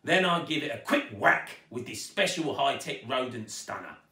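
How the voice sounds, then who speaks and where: A man's voice: mid-range voice, expressive, moderate pace, pushed and bright. Man doing a sneering, oily rat-catcher villain. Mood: creepily polite. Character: sinister, grubby rat catcher, creepily polite villain. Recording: roomy echo, distant microphone.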